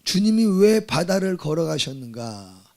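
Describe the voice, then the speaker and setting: A male pastor preaching a Sunday sermon, moving between hushed personal storytelling and loud, drawn-out shouted climaxes. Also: a little high, very animated. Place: church sanctuary.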